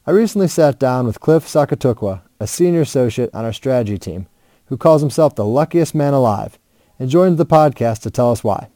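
Mellow-voiced man hosting a podcast. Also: mid-range voice, lively intonation, fairly quick, no room sound, clean studio sound. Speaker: podcast host. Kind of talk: casual interview podcast. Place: home, wrapped in a fleece blanket. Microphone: home podcast mic under a heavy blanket.

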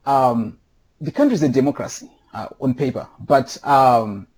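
A man from Zimbabwe answers interview questions from home in a husky, mellow voice. He speaks thoughtfully, pausing often on fillers. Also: mid-range voice. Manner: thoughtful, with many filler pauses. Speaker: podcast guest. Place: home during quarantine.

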